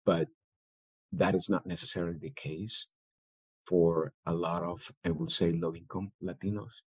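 Low-voiced man, dry close mic. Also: steady tone, moderate pace, breathy edge, no echo, rough recording. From El Salvador. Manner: thoughtful, with many fillers and restarts. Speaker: guest, business owner. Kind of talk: interview answers.

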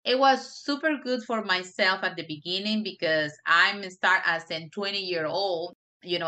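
A middle-aged woman from Peru with a Peruvian Spanish accent, telling her story as an interview guest in an earnest, halting way with many fillers. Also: low-pitched, sharp tone. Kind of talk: interview conversation.

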